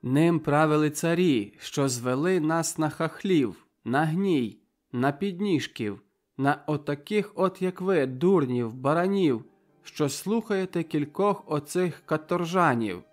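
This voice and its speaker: A man reading the part of a tall young captured soldier, speaking in a sharp, impassioned voice in an audiobook. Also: fairly high pitch, measured pace, soft background music, close to an everyday voice. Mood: defiant pleading. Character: fiery tall young male soldier prisoner. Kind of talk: audiobook character voice.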